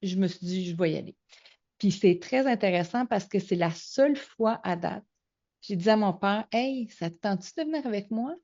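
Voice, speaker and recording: Middle-aged woman, Québécois accent, animated storyteller guest, slightly dull recording. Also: medium pitch, normal speed. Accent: Québécois French. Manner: animated storyteller, acts out quoted dialogue. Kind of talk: casual storytelling interview. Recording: slightly muffled lo-fi audio.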